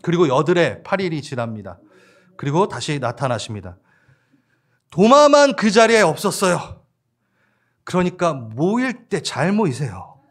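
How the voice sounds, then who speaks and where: A man preaching a church sermon as pastor, lively and laughing along with the congregation while acting out voices. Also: on the high side, measured pace, long pauses.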